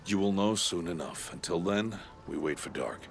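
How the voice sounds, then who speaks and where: An actor voicing a stern, dutiful older tribal outcast and adoptive father in a video game, speaking in a grave, measured, formal way. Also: sits low, animated, vocal fry, slight background noise. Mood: stern, withholding. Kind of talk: video game dialogue acting.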